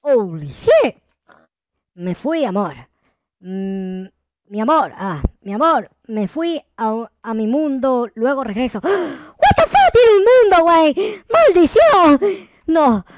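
A man voicing an excitable, mischievous, foul-mouthed young Minecraft noob, exclaiming and muttering to himself as he plays. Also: very high-pitched, slow, no echo, full character voice. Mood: musing, then startled, exasperated. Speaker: gaming video host. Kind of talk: roleplay gameplay commentary.

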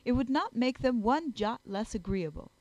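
An amiable young gentleman from a period storybook, played by a woman narrator. He is earnest, modest and courteous, with an animated rise and fall to his speech and a dry, close sound. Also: a little high, normal speed, no room sound, lo-fi sound, lightly acted. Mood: earnest defence.

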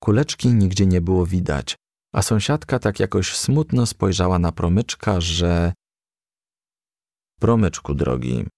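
A man narrates a children's story in a low, creaky voice. His reading is expressive, with pitch that moves widely, and the sound is dry and close. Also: moderate pace, no room sound. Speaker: audiobook reader.

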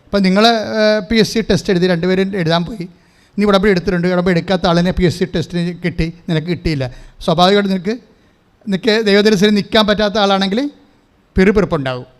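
A man's voice: sits high, fast, clear, resonant tone. A man preaching a sermon, speaking emphatically and leading his listeners to repeat prayers after him. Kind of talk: sermon with call-and-response prayer.

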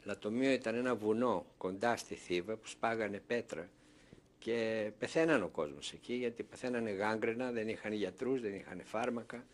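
A Thessaloniki man of advanced age, his voice on the low side, is interviewed for an oral history testimony. He narrates his memories and acts out the dialogue he remembers.

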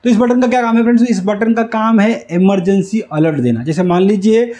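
A man's voice: high-pitched, brisk, warm tone. A man, explaining step by step like an instructor and often checking that it is understood. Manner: didactic, repeatedly checks understanding. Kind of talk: explanatory whiteboard tutorial. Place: small indoor room with whiteboard. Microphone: lapel mic.

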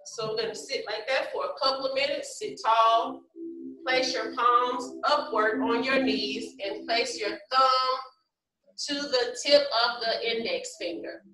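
Heard from across a large, echoey room, a woman guides a yoga class. Her voice is bright and sits a little high. She gives short, measured instructions, one step at a time. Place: large empty carpeted office room, indoors. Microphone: far camera across the room. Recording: echoey room, distant microphone, faint music.

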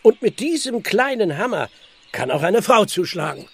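A flustered village policeman in an audio drama. His voice sits on the high side and is full of creak, and he exclaims and gets exasperated easily. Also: big pitch swings, moderate pace, fairly bright tone, heavily acted. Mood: puzzling it out. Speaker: actor in a radio play. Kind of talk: German audio drama acting.

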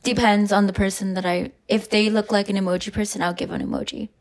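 A woman's voice: mid-range voice, flat delivery, quick pace. A young woman hosting a podcast, chatting casually in a blunt, teasing way. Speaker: podcast host. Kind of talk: casual chat.

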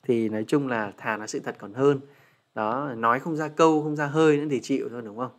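Vietnamese man teaching English. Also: medium pitch. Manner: switches between careful slow English and chatty teasing asides. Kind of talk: livestream lesson.

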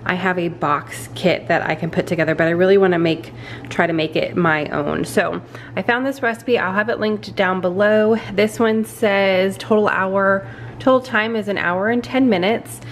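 A woman's voice: mid-range voice, normal speed, slight background noise. A woman casually talking through a bread recipe in her home kitchen, chatty and a little self-deprecating. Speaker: vlogger. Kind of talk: casual cooking walkthrough.

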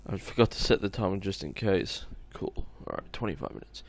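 A man with an Australian accent giving casual, halting gameplay commentary that trails off into asides, on a noisy home recording. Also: sits low, big pitch swings, vocal fry. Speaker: gamer recording a let's play.

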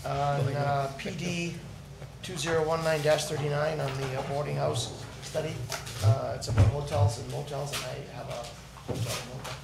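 A man speaking as a city councillor, making a formal, halting statement at a meeting. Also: on the high side, flat delivery, creaky. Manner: halting, hesitant. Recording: roomy, distant, noisy chamber mic.

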